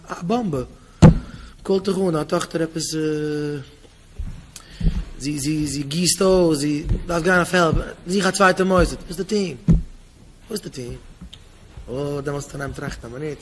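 A man giving a Yiddish Torah talk with a Hasidic accent and English words mixed in, acting out parents and children as he tells his stories. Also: a little hiss or hum. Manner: acts out parent and child voices, pitch jumping up and down. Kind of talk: Yiddish sermon with animated storytelling.

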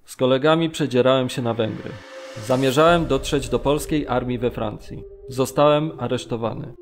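Male actor as wartime volunteer turned prisoner, restrained, mid-pitched, music behind his monologue. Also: normal speed, natural voice. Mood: restrained recollection. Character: Polish volunteer recalling arrest and prison. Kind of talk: documentary radio drama monologue.

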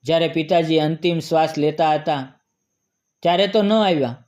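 A man's voice: fairly high pitch, moderate pace, a little mellow, muffled recording, lightly acted. A man voicing angry village people scolding two neglectful sons in a storybook narration, read reproachfully. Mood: angry reproach.

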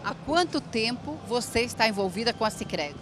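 A woman's voice: fairly high pitch, lively intonation, a little fast, noisy background. A middle-aged woman hosting a variety show, interviewing a guest with a handheld mic in a big event hall, chatty and complimentary. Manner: chatty, warm compliments, laughs. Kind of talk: casual interview chat. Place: large indoor event hall.

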